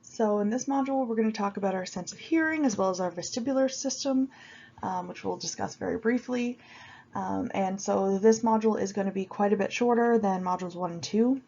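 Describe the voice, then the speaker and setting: A woman's voice: medium pitch, brisk, creaky, dark tone, dull audio. Sniffly woman lecturer with a cold. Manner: informal, explanatory, frequent ums and restarts. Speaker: university lecturer. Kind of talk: recorded video lecture.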